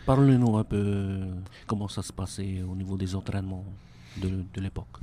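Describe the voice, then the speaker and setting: A man's voice: low voice, level tone, normal speed, mellow, a little hiss or hum. A man hosting a radio interview, speaking hesitantly with many "euh" between phrases. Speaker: radio host. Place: radio studio.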